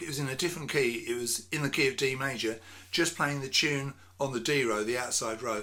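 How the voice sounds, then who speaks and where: With an English accent, a man with a fairly high pitch speaks at a moderate pace in a bright, sharp tone with ordinary pitch variation. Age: 60s. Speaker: music teacher. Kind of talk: casual chat; tutorial.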